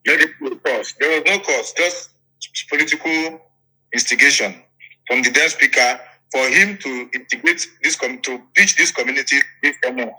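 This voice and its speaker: A politician with a Nigerian accent tells his story in an interview, his medium-pitched voice pushed and bright at a moderate pace. He is emphatic, repeats phrases and checks that his listener is following. The audio is poor.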